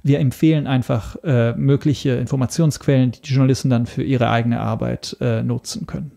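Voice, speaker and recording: A man from Italy with an Italian accent, explaining things as an interview guest in a measured, hesitant way, searching for words. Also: mid-range voice, fairly even intonation, vocal fry, mellow. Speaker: interview guest, media information expert.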